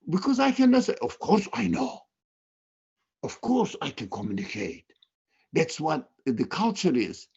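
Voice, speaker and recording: A man with a heavy Turkish accent and Turkish as his native language talks informally and haltingly, repeating words, over a video call. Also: mid-range voice, creaky, darkish tone, husky. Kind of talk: informal sharing in a study group. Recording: dull, muffled online call audio.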